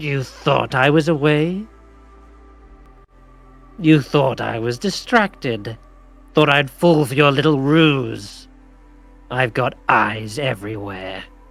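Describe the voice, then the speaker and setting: A put-on character voice speaks at a fairly slow pace in a menacing tone, with faint music in the background. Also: man, medium pitch for a man. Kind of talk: theatrical. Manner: menacing, taunting.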